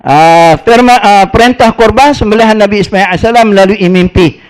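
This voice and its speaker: A middle-aged man with a Malaysian Malay accent leads a relaxed religious class. His voice sits a little high for a man. He tells stories in a folksy, chatty way and breaks into Arabic recitation. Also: brisk, clear, resonant tone. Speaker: religious teacher.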